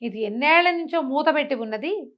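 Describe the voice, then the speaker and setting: A woman's voice: high-pitched, lively intonation, fairly quick, a bit bright, pitched above the performer's own voice. A woman storyteller voicing a sly old village woman who coaxes and warns, repeating her words in a folk tale. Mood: warning, cajoling.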